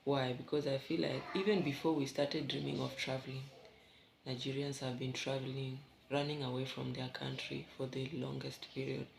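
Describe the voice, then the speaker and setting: Kenyan woman vlogger, gravelly, casual and rambling, recorded in an echoey room. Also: very deep voice, little pitch movement, normal speed. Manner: chatty, rambling asides to viewers. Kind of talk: casual vlog chat. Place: bedroom at home. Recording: echoey room, faint background hum.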